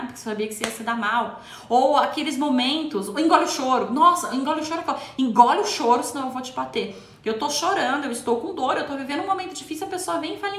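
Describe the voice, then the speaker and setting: A woman with a high, bright voice talks to parents about raising children. She speaks with emphasis and often repeats a word two or three times to drive a point home. The sound is echoey, as if recorded in a bare room. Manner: emphatic, repeats words for stress. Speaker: parenting educator. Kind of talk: talk to viewers.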